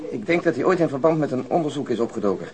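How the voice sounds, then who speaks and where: A male actor plays a pensive male detective in a radio drama. He speaks at middling pitch in fast bursts with halting starts. The manner is mumbled and thoughtful, as of someone digging in his memory. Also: expressive, a little mellow, close to an everyday voice. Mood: pondering.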